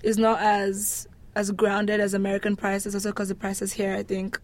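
A woman from Nigeria speaks candidly and informally as an interview guest, animated and given to emphatic repetition. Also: medium pitch, moderate pace. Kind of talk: casual conversational interview.

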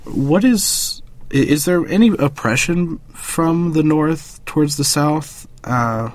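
A man, asking questions in an informal interview, pausing tentatively as he frames them. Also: on the high side. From United States.

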